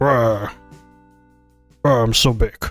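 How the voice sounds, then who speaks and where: In a playful, growling, put-on character voice of medium pitch, a man speaks over faint music in the background. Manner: growly, playful, exaggerated.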